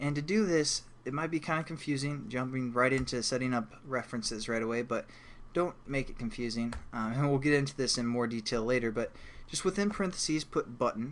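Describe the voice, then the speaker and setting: Fairly quick speech from a man, medium in pitch, the pitch varying in an ordinary way. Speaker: programming tutorial instructor. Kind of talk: tutorial. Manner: fast; casual.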